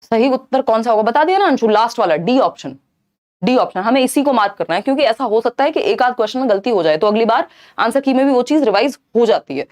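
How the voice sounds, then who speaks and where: Woman teacher going through exam questions on a live stream, slightly high voice, keeps asking "right?". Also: fast. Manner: lively explanatory, checks in with "ठीक है ना?"; mixes Hindi with English terms. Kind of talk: live online lesson.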